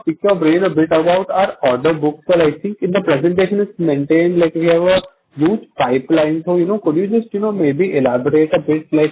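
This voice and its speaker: An Indian man, an investment analyst phoning into an earnings call, asking polite questions in hesitant, halting phrases. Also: a little high. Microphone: telephone. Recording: tinny phone line with faint noise.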